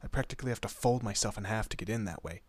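Man acting a husky, teasing monster detective. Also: fairly low pitch, very fast, no room sound, close to an everyday voice. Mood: teasing, bickering. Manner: casual, teasing, muttered asides. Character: teasing, protective male monster detective, partner to a human. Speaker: voice actor in an audio roleplay. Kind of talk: horror roleplay audio drama, addressing the listener.

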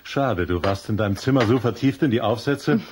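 A man's voice: medium pitch, a little fast, a little mellow, slight background noise, lightly acted. A man playing a jovial, teasing middle-aged father in a children's audio drama. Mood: amused, teasing. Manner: amused, teasing.

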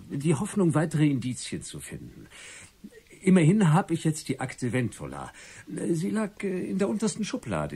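An actor playing an inquisitive, wry writer turned amateur detective, musing and ironic, in a German radio crime drama. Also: male voice, medium pitch, darkish tone, breathy edge, heavily acted.

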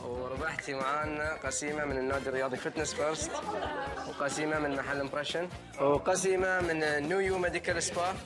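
A young man with a Qatari accent hosts a quiz. His voice sits fairly high and moves quickly. Music plays clearly behind him. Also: fairly even intonation, over a noisy crowd. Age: young adult. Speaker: TV quiz host. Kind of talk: street and studio quiz presenting. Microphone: handheld microphone.

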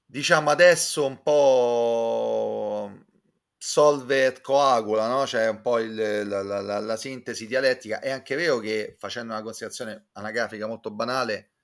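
A man with a creaky, fry-laden voice at a middling pitch. He talks like an opinionated intellectual guest in casual discussion, circling back to rephrase himself. He is speaking on a video call from a room at home. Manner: intellectual, discursive, halting with repeated self-corrections. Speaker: guest commentator. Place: small room with bookshelves, at home. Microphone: computer mic on a video call.

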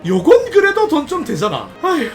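High voice, very animated pitch, casual gameplay commentary, excitable, frequent laughter, addresses viewers. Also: normal speed, music in the background. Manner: excitable, laughs often, pleads with the game; talks directly to viewers. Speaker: gaming channel host.

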